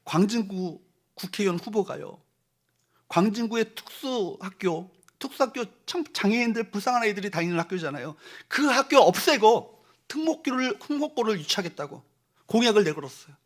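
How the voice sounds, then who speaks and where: A man's voice: high-pitched, expressive, fairly quick. A male pastor preaching a Sunday sermon in a church, emphatic and full of rhetorical questions to the congregation. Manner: leads congregation in reading verses aloud. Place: church sanctuary.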